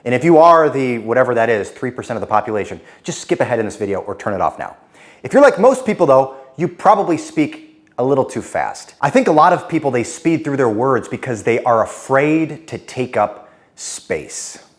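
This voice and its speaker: A man teaching to camera as a speaking coach, blunt and direct, letting his pitch fall at the end of sentences. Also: big pitch swings, brisk. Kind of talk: instructional talk to camera.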